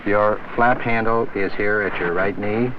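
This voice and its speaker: Low-voiced male flight instructor amid loud noise. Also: fairly even intonation, unhurried. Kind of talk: step-by-step hands-on instruction. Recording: dull distant recording, loud aircraft engine noise. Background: aircraft engine noise.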